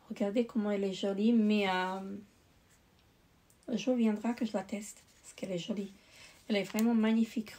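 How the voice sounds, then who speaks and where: A woman's voice: medium pitch, a little mellow, a little hiss or hum. A woman beauty vlogger chatting casually while showing her makeup, with lots of hesitations and restarts. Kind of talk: casual chat.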